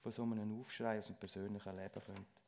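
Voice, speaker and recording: A middle-aged man giving a lay sermon in church, speaking earnestly and haltingly with frequent restarts. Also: fairly low pitch, little pitch movement, mellow. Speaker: lay preacher.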